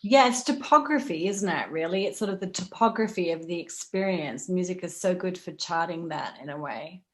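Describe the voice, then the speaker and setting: A woman's voice: on the low side, normal speed. A woman moderating a panel conversationally, with a chatty and encouraging manner.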